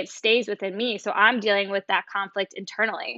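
At a fairly quick pace, a woman speaks in a normal speaking voice with fairly even intonation. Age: 20s. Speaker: podcast host. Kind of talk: solo podcast talk.

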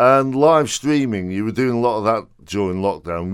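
Speaking with lively intonation at a moderate pace, a man uses a plain, everyday voice pitched fairly low. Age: 50s. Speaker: radio host. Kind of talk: radio interview; scripted intro.

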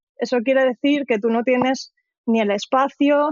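This woman has a high-pitched voice and fairly even intonation. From Madrid, Spain. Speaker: startup CEO. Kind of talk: interview.

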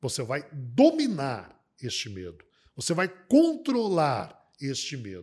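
A very clean recording of a man, the background silent. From Bauru, São Paulo state, Brazil. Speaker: public speaking trainer. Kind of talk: interview.

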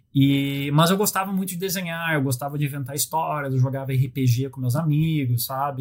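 A man with a fairly high pitch and a somewhat breathy voice talks at a moderate pace. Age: 40s. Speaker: game developer and illustrator. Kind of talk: interview.

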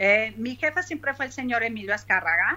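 A woman speaks in a Mexican accent with a raised, projected voice. Her tone is bright and sharp. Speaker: actress. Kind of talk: interview. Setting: remote call via WhatsApp.

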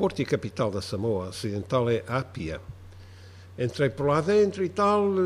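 A man's voice with very wide pitch swings. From Azores, Portugal. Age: 60s. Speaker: sailor and fisherman. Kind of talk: casual interview. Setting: restaurant.

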